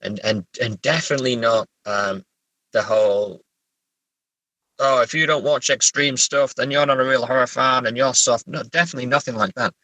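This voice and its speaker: A man from England chatting casually as an interview guest, halting and self-correcting, with a wry way of telling stories. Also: medium pitch, sharp tone, no room sound, poor audio. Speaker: horror novelist and therapist guest. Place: sitting in a parked car.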